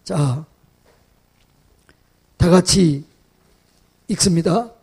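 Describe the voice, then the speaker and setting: High, husky-voiced male pastor preaching. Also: extremely slow. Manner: questions the congregation, then builds to loud exhortations; acts out quoted voices in dramatic asides. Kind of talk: revival sermon.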